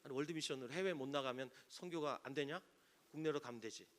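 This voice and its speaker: A male pastor preaching a sermon to an audience, swinging from loud cries to near-whispers and acting out the voices in his stories. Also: mid-range voice, fast talker. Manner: acts out quoted voices in stories.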